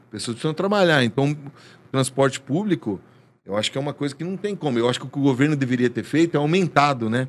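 On a very clean recording with a silent background, a man talks very fast at a fairly high pitch, with big swings in loudness. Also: lively intonation. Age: 40s. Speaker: nightclub owner. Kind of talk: casual interview chat.

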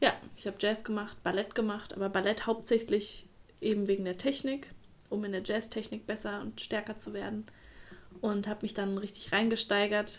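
The speech moves at a moderate pace with long, frequent pauses. Its intonation is monotone and flat, with vocal fry. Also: woman. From Freiburg, southwest Germany. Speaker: dancer and podcast co-host. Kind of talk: casual chat.

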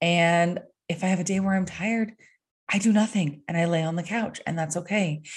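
A woman's somewhat breathy, fairly low voice at a fairly quick pace, with fairly even intonation and a quiet background. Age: 30s. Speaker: finance podcast host. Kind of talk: solo podcast monologue.

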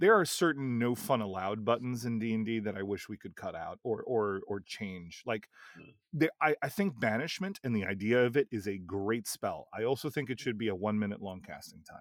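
Very clean and silent in the background, this recording features a man of medium pitch in a normal speaking voice. He talks at a fairly quick pace with lively intonation, big swings in loudness and hardly any pauses. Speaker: podcast host. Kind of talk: casual banter.

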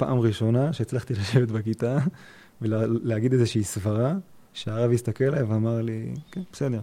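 A man speaks at a medium pitch and a moderate pace, his tone dark and mellow with fairly even intonation. The recording is very clean, with a silent background. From Israel, Rishon LeZion. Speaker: fitness instructor at a pre-army academy. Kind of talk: interview, personal story.

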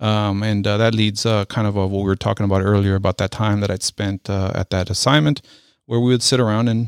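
A man's fairly low-pitched voice with an American accent, fairly even intonation and a fairly quick pace, on a very clean recording with a silent background. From Southern California. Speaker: podcast host. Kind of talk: casual monologue. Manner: halting, many fillers and repeated words.

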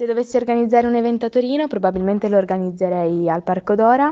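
A woman speaks with ordinary pitch variation. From Italy, province of Turin. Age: 20s. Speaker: student and dancer. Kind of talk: recorded personal account. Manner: hesitant, many fillers.

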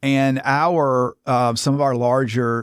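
A man with a Mississippi accent speaks at a medium pitch with fairly even intonation, in a very clean recording with a silent background and a dry, close sound with no echo. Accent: US Southern (Mississippi). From Mississippi (Tupelo). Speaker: marketing firm president. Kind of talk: interview.

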